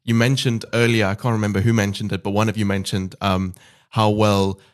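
A man's voice: lowish voice, little pitch movement, a little fast. A man, a podcast host who moderates the talk and moves it along. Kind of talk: podcast discussion.

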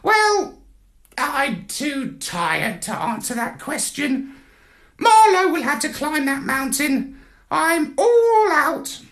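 A man's voice: extremely high pitch, big pitch swings, slow pace, fairly bright tone, pitched above the performer's own voice, exaggerated voice. A man voicing a bossy, brainy male parrot who talks down to others in a storybook reading. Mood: weary. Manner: lofty, superior.

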